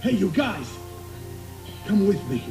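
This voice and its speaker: A man playing an earnest, excitable cowboy sheriff toy in an animated film, with an American accent and a pleading, emphatic delivery. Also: sits high, slow pace, gravelly, echoey room, music in the background, heavily acted. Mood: eager.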